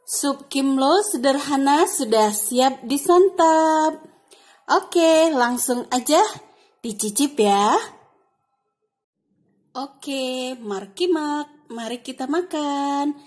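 A woman's voice: high voice, extremely slow, pauses often. A woman hosting a home cooking channel, talking through a recipe step by step in a chatty, friendly way. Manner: chatty, step-by-step, adds soft "ya" and "nah". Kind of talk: casual cooking tutorial voice-over.

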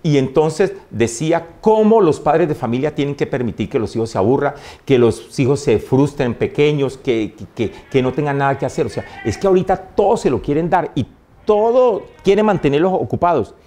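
A man, a priest, telling stories in a warm way and often laughing during an interview. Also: a little high, expressive, moderate pace. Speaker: priest, guest. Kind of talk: interview anecdotes. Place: TV studio.

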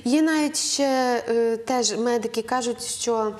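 A young woman with a western Ukrainian accent speaks as a studio guest, explaining parenting points in an earnest, instructive way. She often pauses on fillers as she gathers her thoughts, and her voice sits a touch high. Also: darkish tone. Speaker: guest on a Christian TV program. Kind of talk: advice talk on parenting.

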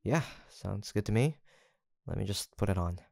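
A male voice actor plays a young college roommate with a crush, in a low voice with plenty of creak. He is gentle and teasing, a little hesitant, and his intonation moves around a lot. It is an intimate, one-sided roleplay conversation. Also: animated, moderate pace, no room sound, clean studio sound. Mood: gentle, tender.

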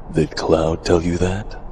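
A sinister video game villain, acted by a man, calm and smug. The voice is low and the taunts come slowly and deliberately, with music clearly behind. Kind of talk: game fan dub acting.

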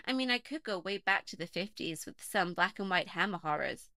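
A woman's voice: on the low side, animated, fairly quick, sharp tone, no echo, clean studio sound. A woman playing a chatty, wry podcast host who dismisses callers' suggestions, in an audio play.

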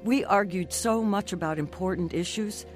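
An actress playing an earnest, emotional middle-aged Christian wife in a radio drama. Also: female voice, mid-range voice, moderate pace, soft background music, close to an everyday voice. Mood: earnest, reflective. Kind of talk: radio drama narration and dialogue.

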